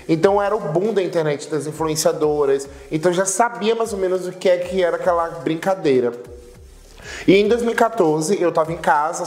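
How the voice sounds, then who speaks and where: Young man with a strong Bahian accent. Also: fairly high pitch. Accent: Bahian Portuguese. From Salvador, Bahia, Brazil. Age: 20s. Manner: animated storytelling, gesturing with his hands. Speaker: guest, internet personality. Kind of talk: casual interview chat. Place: studio room with a sofa, indoors. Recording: echoey room.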